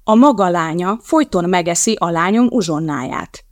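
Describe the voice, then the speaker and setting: A reader doing a blunt, brisk woman chemist. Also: mid-range voice, animated, no echo, lightly acted. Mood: indignant. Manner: curt and matter-of-fact.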